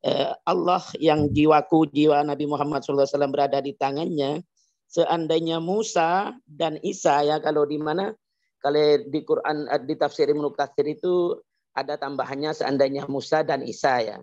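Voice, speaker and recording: A man's voice: a little high, steady tone, moderate pace, a little mellow. Man reciting and explaining hadith, lo-fi. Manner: cites hadith sources at length, recites Arabic. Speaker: Islamic teacher. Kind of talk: religious explanation to a guest. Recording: dull lo-fi sound.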